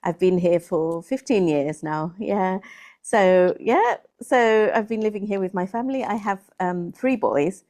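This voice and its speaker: A woman's voice: medium pitch, measured pace. A middle-aged woman from Kerala with a London-English accent, whose first language is Malayalam, hosting a friendly, chatty conversation over a video call. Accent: British English (London). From Kerala, India. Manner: friendly, chatty, soft laughs and fillers. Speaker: English tutor and channel host.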